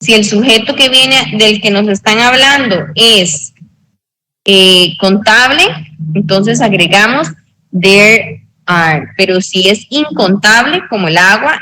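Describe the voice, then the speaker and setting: Woman English teacher, bright voice, unhurried and patient, keeps checking in with the class. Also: mid-range voice, a little hiss or hum, rough recording. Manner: slow, patient explaining with frequent check-ins. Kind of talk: online grammar tutoring in Spanish.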